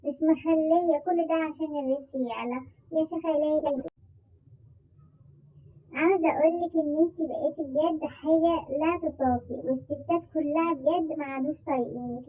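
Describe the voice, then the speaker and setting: Egyptian woman, high-pitched, scolding commentary vlogger; lo-fi phone-like audio. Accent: Egyptian Arabic. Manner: indignant, scolding, repeats herself. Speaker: video creator. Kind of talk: ranting commentary vlog.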